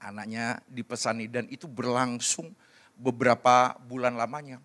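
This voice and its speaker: A man's voice: medium pitch, normal speed. A man preaching a conversational sermon at a church service, telling anecdotes in a chatty way. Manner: chatty, anecdotal, acts out quoted people in lively voices. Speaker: pastor.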